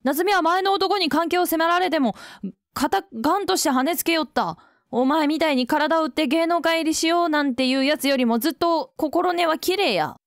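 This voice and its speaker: A woman voicing a flustered, gruff older man who stammers in a Kansai accent. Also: high voice, moderate pace, dry recording, studio quality, pitched above the performer's own voice. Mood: angry. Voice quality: stammering, blustering.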